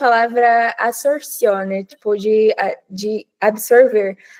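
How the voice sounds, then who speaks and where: Fairly high in pitch, a woman speaks in an unremarkable speaking voice with fairly even intonation. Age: 20s. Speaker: medical student. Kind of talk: interview.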